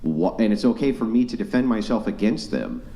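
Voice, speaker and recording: A man's voice: fairly low pitch, big pitch swings, brisk, vocal fry, dark tone, roomy sound. A man in his forties, a panel guest, pressing his point in a heated debate with persistent questions. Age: 40s.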